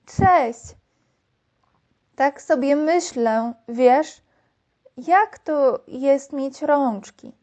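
A woman voicing a quiet, wistful little girl in a storybook, speaking softly and thoughtfully. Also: sits high, very slow, long pauses.

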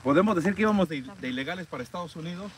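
A man's voice: on the high side, expressive, very fast. A middle-aged man with a Mexican accent hosting a casual live cooking stream, chatting to viewers in informal slang from an outdoor campsite, recorded on a phone. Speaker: host of a camping cooking vlog. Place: outdoor desert campsite under a canopy. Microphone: phone camera held by another person. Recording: noisy outdoor phone video.

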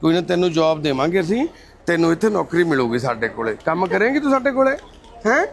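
A man, gently reassuring a distressed woman and counting money aloud. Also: fairly high pitch, sing-song, quick pace, vocal fry. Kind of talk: comforting talk with a distressed woman. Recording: crowd noise in background.

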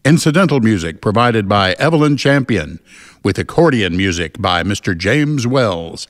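A man announcing a radio serial from a script in a measured, presentational way. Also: medium pitch.

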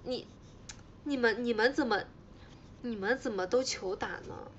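A woman's voice: fairly high pitch, measured pace, muffled recording, a little hiss or hum. A young woman hosting a casual livestream, teasing her fans playfully and repeating herself as she chats. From China. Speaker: idol livestream host.

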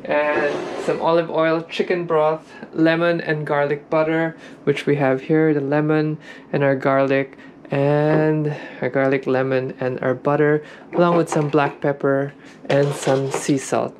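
A woman's voice: sits low, flat delivery, a little slow, noisy background. A woman casually explaining each step as she cooks lunch in her home kitchen for a vlog. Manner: explains steps plainly, step by step. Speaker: vlogger cooking lunch. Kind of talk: casual cooking vlog voice-over.

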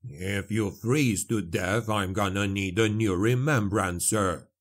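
A man's voice: on the low side, slow pace. A man voicing a grim, impatient male dwarf warrior in an audiobook, grunting and muttering terse commands. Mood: impatient, commanding.

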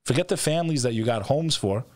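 A man's voice: medium pitch, animated, fast talker, darkish tone, no room sound. Dry-miked man, blunt and emphatic. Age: middle-aged. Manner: emphatic, blunt, repetitive, profane. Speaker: show host. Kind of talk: motivational interview talk. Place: indoor studio setup, video call. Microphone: close studio microphone on stand.

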